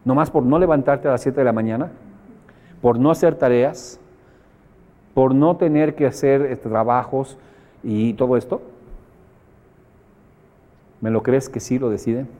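A man's voice: medium pitch, measured pace, long pauses, warm tone. A man with a Mexican accent giving a motivational seminar talk to a group. He speaks colloquially and emphatically, repeats phrases for effect and puts questions to his audience.

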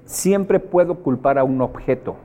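A man's voice: medium pitch, unhurried, mellow. A man with a Mexican accent giving a motivational seminar talk to a group. He speaks colloquially and emphatically, repeats phrases for effect and puts questions to his audience.

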